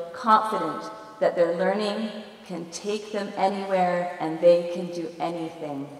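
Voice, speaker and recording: A woman speaking at a fairly slow pace with fairly even intonation, amid audible room echo. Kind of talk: ceremonial welcome speech. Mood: warm, formal. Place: hall.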